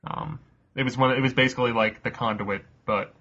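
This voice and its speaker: A man hosting a casual podcast quiz, reading out questions slowly, cursing offhandedly and laughing often. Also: medium pitch, steady tone, bright, forceful tone, breathy edge, dull audio. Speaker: quiz host.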